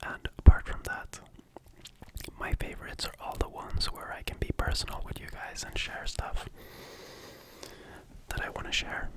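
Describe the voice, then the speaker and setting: A man whispering at a moderate pace, with big swings in loudness, long, frequent pauses and noticeable background noise. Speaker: ASMR artist. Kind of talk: whispered ASMR Q&A ramble.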